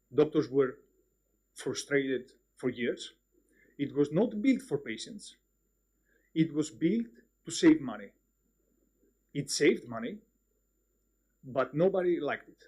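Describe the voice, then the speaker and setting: Somewhat breathy and dark, mellow in tone, this voice carries a Greek accent at a fairly slow pace. Loudness swings widely, pitch swings very wide, and long pauses come often. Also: man, fairly high pitch for a man. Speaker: researcher and engineer. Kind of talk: conference panel talk. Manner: hesitant with many fillers.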